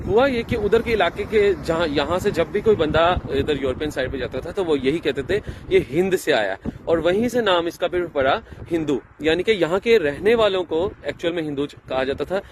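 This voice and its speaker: A Pakistani travel vlogger with a fairly high, expressive voice talks to camera outdoors in a town, barely pausing as he chats and explains. His casual explanations are full of fillers and restarts, with background noise present.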